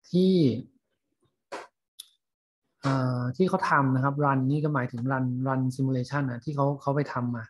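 A man teaching a class, explaining English terms in a scientific paper slowly with frequent fillers and pauses. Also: mid-range voice, steady tone, slight background noise. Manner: slow, halting, many fillers. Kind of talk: lecture on reading scientific English.

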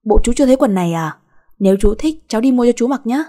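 A woman's voice: mid-range voice, lively intonation, warm tone, husky. A woman voicing a cheeky country girl of nearly eighteen who answers back with teasing retorts. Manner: sassy, quick retorts, teasing.

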